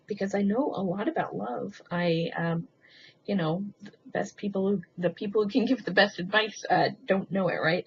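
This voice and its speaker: Hesitant low-voiced woman, muffled recording. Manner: hesitant, halting, thinking aloud with frequent ums. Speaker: video blogger. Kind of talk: confessional solo vlog, casual rambling talk. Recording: muffled lo-fi sound with faint background noise.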